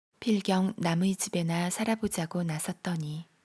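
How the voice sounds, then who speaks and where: Very slow and fairly low in pitch, a woman speaks in a calm, soothing, somewhat breathy tone with fairly even intonation, on a very clean recording with a silent background. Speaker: audiobook narrator. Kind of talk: audiobook reading of a short story.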